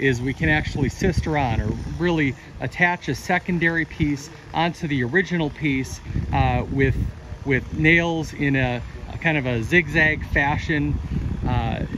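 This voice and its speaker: Ordinary pitch variation at a moderate pace, with noticeable background noise. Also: man. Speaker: building contractor. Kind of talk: explanatory walkthrough commentary. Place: garden. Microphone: phone near.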